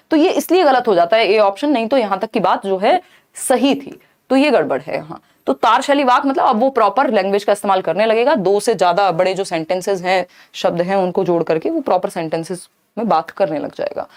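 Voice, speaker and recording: A woman teacher giving a live online exam-prep lesson, explaining lively and often checking in with her viewers. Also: medium pitch. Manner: mixes Hindi with English terms.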